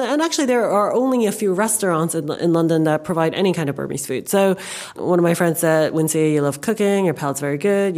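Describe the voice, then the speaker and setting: A woman's voice: fairly low pitch, darkish tone. An American woman speaking as a guest in a casual panel discussion, chatty and emphatic, often repeating words for stress. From New York, United States. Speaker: podcast guest, banking professional.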